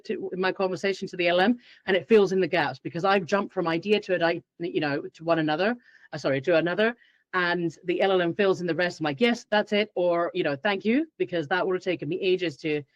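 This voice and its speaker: Animated woman, dull audio. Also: fairly low pitch, no echo. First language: Finnish. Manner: animated, acts out her own past thoughts. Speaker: guest expert. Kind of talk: podcast interview.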